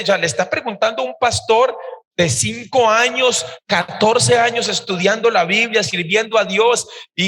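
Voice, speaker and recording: High, bright-voiced preacher. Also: male voice. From Costa Rica. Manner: animated storytelling, emphatic and expressive. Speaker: pastor. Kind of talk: sermon with personal testimony. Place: church service hall. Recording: reverberant church hall.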